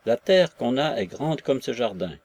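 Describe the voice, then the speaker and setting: A man's voice: medium pitch, big pitch swings, normal speed, a little mellow, dull audio. Man reading a wry old white-bearded peasant. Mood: grumbling. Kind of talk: audiobook character reading.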